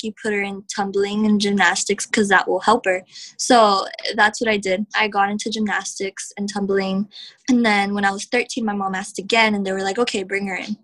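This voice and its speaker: A young woman from Texas, a professional wrestler, answering interview questions in a chatty way, full of "like" and quick laughs. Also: mid-range voice, fairly bright tone, low-quality recording. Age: young adult. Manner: chatty, heavy use of "like", laughs often.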